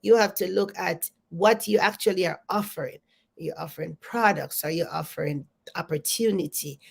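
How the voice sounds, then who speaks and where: A woman's voice: fairly low pitch, moderate pace, vocal fry, breathy edge. A woman hosting a live business coaching show, congested and talking energetically to her viewers, often repeating her greetings and questions. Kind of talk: live stream talk to viewers.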